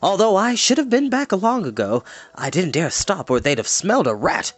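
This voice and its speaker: A narrator as an excitable, theatrical wandering bard. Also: mid-range voice, normal speed, dry recording, soft background music, pitched above the performer's own voice. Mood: indignant. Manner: theatrical, exclamatory. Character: excitable, dramatic wandering bard, a man, indignant and anxious.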